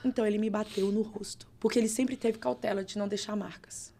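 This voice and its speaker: A woman pastor with a Brazilian accent, telling her testimony in a podcast interview with expressive, dramatic storytelling. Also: mid-range voice, quick pace, vocal fry. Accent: Brazilian Portuguese. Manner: expressive, dramatic storytelling with vivid reenacted dialogue. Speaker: pastor, guest.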